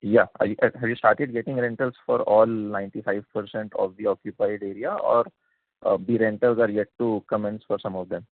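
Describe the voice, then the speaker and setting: Gravelly, low-voiced man on the phone. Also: steady tone, fairly quick, dry recording. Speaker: analyst asking questions. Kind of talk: earnings call questions. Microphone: telephone conference call. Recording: dry, narrow phone line.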